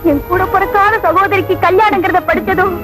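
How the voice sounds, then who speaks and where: A woman's voice: very high-pitched, fairly even intonation, fairly quick, low-quality recording. Emotional young woman. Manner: emotional, tearful joy. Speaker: young woman in a family drama. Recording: film soundtrack under loud music.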